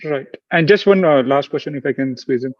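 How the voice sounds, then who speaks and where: A man's voice: medium pitch, brisk, no echo. A man speaking as a financial analyst, asking questions politely and hesitantly on an earnings call. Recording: dull, muffled call audio.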